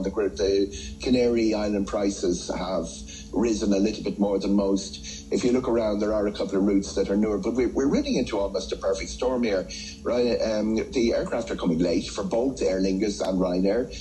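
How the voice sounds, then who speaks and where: An Irish man giving unscripted expert commentary in a radio interview, in a halting, stop-start way with repeated words. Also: fairly low pitch, dark tone, soft background music, poor audio. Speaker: travel editor, studio pundit.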